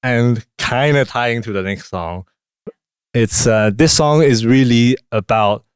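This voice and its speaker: A young man from Hong Kong, a musician chatting in a studio interview, talking in a relaxed, halting way with many fillers. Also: medium pitch, clean tone, dry recording. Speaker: musician guest. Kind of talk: casual interview chat.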